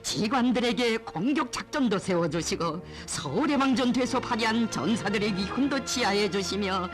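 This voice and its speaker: A woman's voice: medium pitch, lively intonation, normal speed. A woman with a North Korean accent reading scripted propaganda documentary narration in a solemn, reverent, emotive declamatory manner. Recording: music behind the voice. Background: music.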